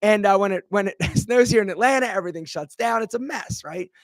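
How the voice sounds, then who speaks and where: This Philadelphia livestream host is an upbeat, energetic man with a fairly high voice, speaking a little fast and close to the mic in a dry, dead room. Allergies leave his voice slightly rough as he runs a casual live Q&A chat, greeting viewers by name and rambling cheerfully through side stories.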